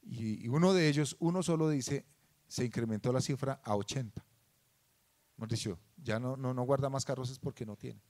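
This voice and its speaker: A man preaching a sermon in a church, moving from quiet conversational talk to loud, fervent passages. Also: medium pitch, moderate pace.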